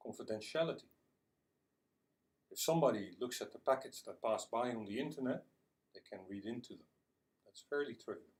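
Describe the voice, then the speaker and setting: A man's voice: mid-range voice, a little mellow. Man presenting, recorded at a distance. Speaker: conference speaker on internet security. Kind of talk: explanatory presentation to an audience. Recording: distant microphone.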